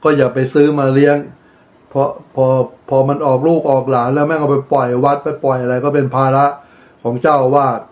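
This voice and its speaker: A man's voice: mid-range voice, flat delivery, fairly quick. A middle-aged man giving casual, profane political commentary on his own channel, blunt and lecturing. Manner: blunt, crude, swears freely; preachy, lecturing advice.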